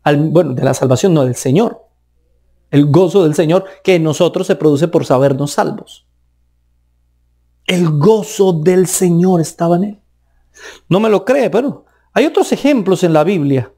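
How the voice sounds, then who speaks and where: Colombian preacher man, mellow voice. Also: lively intonation, normal speed, pauses often. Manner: emphatic, rising and dropping pitch for stress. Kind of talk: sermon.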